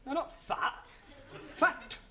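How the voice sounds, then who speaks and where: An exasperated English teacher. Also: male voice, extremely high pitch, lively intonation, normal speed, bright, forceful tone, full character voice. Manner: exasperated, trying to stay patient. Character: patient, bewildered young English teacher. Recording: noisy old TV sitcom audio.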